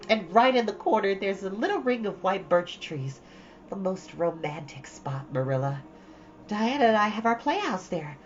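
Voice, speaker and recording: Lady doing a dreamy gushing little girl from a storybook, swoopy pitch, kinda dull lo-fi sound. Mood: dreamy, excited. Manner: gushing, dramatic, earnest. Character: dreamy, chattering, romantic young orphan girl. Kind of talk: storybook read-aloud. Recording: dull, lo-fi, faint background noise.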